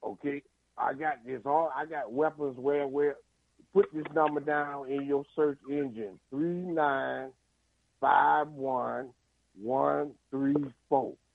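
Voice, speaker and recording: A man's fairly high voice at a very slow pace, broken by long, frequent pauses. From Atlanta, US South. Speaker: caller. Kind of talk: call-in radio talk. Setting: phone call. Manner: animated.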